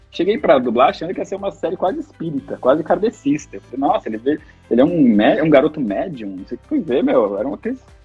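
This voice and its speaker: Very wide pitch swings in a man's speech, with music behind him. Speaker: voice actor. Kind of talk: interview answer.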